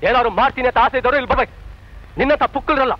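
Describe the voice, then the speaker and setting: A man's voice: extremely high pitch, steady tone, racing. An actor playing an earnest young man who lectures his friends. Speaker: jobless idealist friend. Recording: dull old film soundtrack with music.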